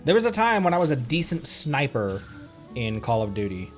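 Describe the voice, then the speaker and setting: A man streaming a game, chatting casually in a giggly, rambling, animated way. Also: medium pitch, moderate pace, faint music behind. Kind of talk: casual chat while playing a game.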